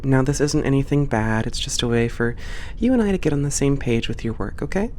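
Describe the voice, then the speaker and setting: A performer with a mid-pitched voice playing a calm, supportive space port boss in a one-sided roleplay, reassuring and softly professional. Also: a little fast, slight background noise, lightly acted. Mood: attentive. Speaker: ASMR roleplay voice actor.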